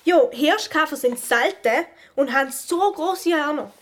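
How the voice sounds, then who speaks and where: A woman voicing a high, keen schoolgirl. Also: expressive, measured pace, a bit bright. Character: chatty schoolgirl who knows about beetles.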